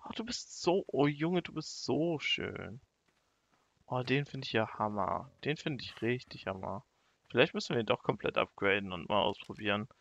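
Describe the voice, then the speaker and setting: A young man giving casual, excitable let's play commentary and talking to the animals in his game. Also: medium pitch, normal speed, gravelly, no room sound, highs cut off. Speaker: gaming YouTuber.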